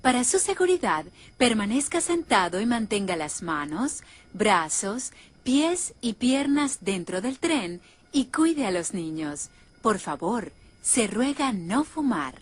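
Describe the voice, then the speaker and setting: A woman's voice: medium pitch, big pitch swings, measured pace, husky. A woman reading a polite, formal, scripted transit safety announcement to passengers. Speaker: theme park monorail safety announcer.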